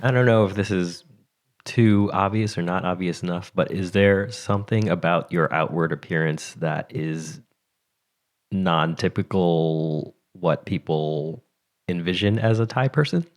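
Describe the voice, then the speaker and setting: A woman co-hosting a podcast, asking quiet, hesitant questions in a casual chat. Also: a bass voice, measured pace.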